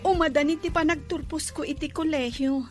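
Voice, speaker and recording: A woman's voice: high-pitched, fairly even intonation, fairly quick, faint music behind, lightly acted. A woman with an Ilocano accent playing a young, sweet and forgiving daughter in a sentimental drama. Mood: hopeful, affectionate. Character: young college-age daughter, wounded but sweet and forgiving. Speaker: voice actor in an audio drama. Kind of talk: sentimental radio-style drama acting.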